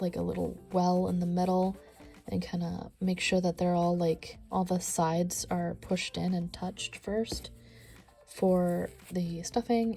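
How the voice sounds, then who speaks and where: Soft-spoken woman counting crochet stitches. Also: fairly low pitch, vocal fry. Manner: counts stitches aloud, often dropping to a soft near-whisper. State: stuffy nose. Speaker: crochet instructor. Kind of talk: step-by-step craft tutorial.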